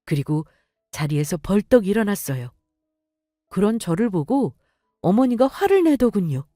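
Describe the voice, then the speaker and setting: A woman's voice: mid-range voice, very animated, normal speed, mellow, no room sound, studio quality, faint music behind. A young woman narrating her own story in an indignant, confiding way. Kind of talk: scripted first-person story narration.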